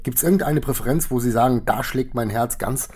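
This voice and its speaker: A man with a husky, slightly breathy voice interviews performers as they sit together on a theater stage. His questions come in a measured, formal way. His pitch sits in an ordinary middle range. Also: darkish tone.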